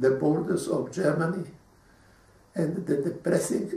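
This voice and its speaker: A man's high-pitched voice, dark and mellow in tone, with fairly even intonation. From Zagreb, Croatia. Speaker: Holocaust survivor. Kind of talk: testimony narration.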